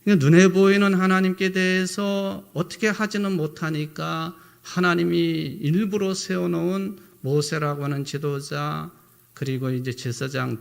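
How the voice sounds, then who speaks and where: A man's voice: on the high side, creaky. A middle-aged male pastor giving a sermon in a conversational way, often posing rhetorical questions to the congregation.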